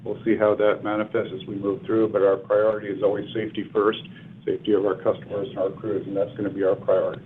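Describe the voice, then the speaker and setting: A man with a fairly low voice speaks as an executive on an earnings call. He answers in measured, businesslike phrasing. The sound is narrow, like a telephone line. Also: flat delivery. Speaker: airline executive answering analysts. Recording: narrow phone-line conference call audio.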